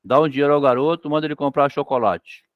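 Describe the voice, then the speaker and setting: A man's voice: fairly high pitch, quick pace, no echo, phone-quality sound. A Brazilian man reading a story aloud and explaining it as a literature lecture, breaking in with "né?" and acting out the characters' lines. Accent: Brazilian Portuguese. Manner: reads passages and breaks off to explain, frequent "né?".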